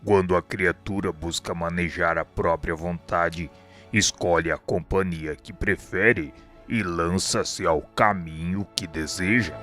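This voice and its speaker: Radio drama spirit mentor played by a man: Brazilian, deep, crisp-edged bright tone, dignified, formal and instructive. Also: fairly even intonation, soft background music. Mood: solemn, instructive. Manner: formal, measured, lecturing. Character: wise, dignified male spirit instructor, solemn and helpful. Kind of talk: solemn didactic radio drama acting.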